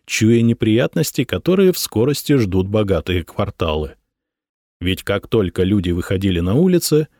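Expressive male audiobook narrator. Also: on the low side, no room sound, clean studio sound. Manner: expressive, rising on dramatic moments.

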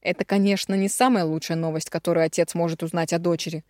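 A woman's voice: fairly low pitch, steady tone, quick pace, darkish tone, dry recording. Give me a woman narrating an audiobook steadily, with a dry close sound. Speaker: audiobook reader. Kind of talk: scripted narration.

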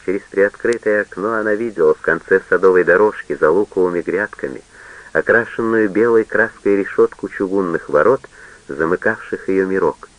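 A man reading a literary novel aloud in a measured, solemn way. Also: low voice, dry recording, muffled recording. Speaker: audiobook reader. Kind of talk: literary audiobook narration.

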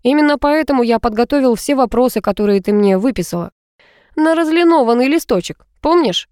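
A woman's voice: a little high, fast, mellow, clear, resonant tone, no echo, clean studio sound, voice pushed up, natural voice. A woman voicing a smug teasing young guy. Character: mocking cocky young male student.

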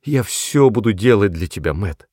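A man's voice: lively intonation, moderate pace, warm tone, no echo, studio quality. A man reading a storybook voicing a lonely, tearful young girl who pleads and sobs. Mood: pleading. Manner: pleading, high and shrill when upset. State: sobbing. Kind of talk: audiobook character voice.

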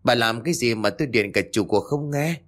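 A man voicing a harsh, domineering husband who barks rude demands in a fast, raised voice. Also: mid-range voice, a bit bright, close to an everyday voice. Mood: irritable.

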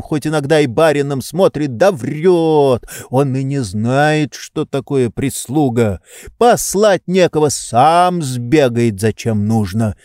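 A man reading as a pampered, lazy nobleman who is wounded and indignant, firing off reproachful rhetorical questions. The voice rides higher than the reader's own and swings widely in pitch. It stays slow and mellow, recorded close and dry. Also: dry recording. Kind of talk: audiobook character reading.

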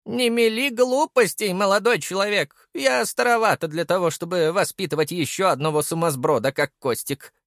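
A man's voice: fairly bright tone, no room sound, studio quality. A man voicing a stern elderly grandmother scolding her grandson. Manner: high, strained, slow.

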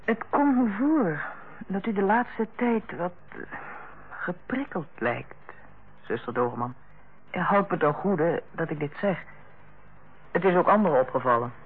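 An actress playing a tactful, composed middle-aged hospital director in a Dutch radio play, speaking in a measured, formal way. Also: female voice, fairly low pitch, big pitch swings, breathy edge, full character voice. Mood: careful, tactful. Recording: tinny, narrow-band old radio recording.

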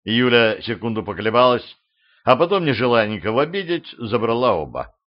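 A man reading an audiobook as narrator, with steady, even storytelling. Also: medium pitch, brisk. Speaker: audiobook reader. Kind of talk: scripted narration. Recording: slightly dull lo-fi audio.

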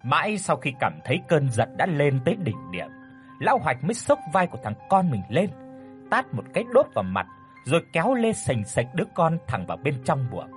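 A man narrating a horror story in a dramatic, expressive way. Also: fairly high pitch, brisk. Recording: dry with faint music.

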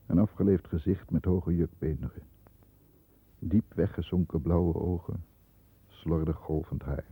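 An actor playing a stern, disdainful middle-aged lawyer who narrates his own thoughts in a measured way in a 1960s radio drama, heard on a muffled old recording. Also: sits low, breathy edge, dry recording, full character voice. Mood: tense, impatient. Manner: measured, introspective first-person narration.

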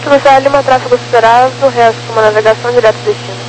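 A woman's voice: a little high, steady tone, very fast. A woman working as an air traffic controller, giving clipped instructions over a walkie-talkie style radio. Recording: noisy radio with hum.

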